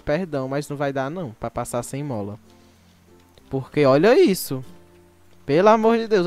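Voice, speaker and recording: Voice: medium pitch, clear, resonant tone, dry recording. A Brazilian-accented YouTube gamer chatting to viewers while playing, with frequent exclamations and sudden shrieks. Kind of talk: casual gameplay commentary.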